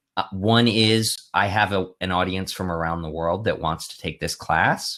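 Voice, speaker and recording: The man speaks at a very deep, low pitch. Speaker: online course instructor. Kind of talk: live webinar info session with Q&A. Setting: live online webcast. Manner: slow.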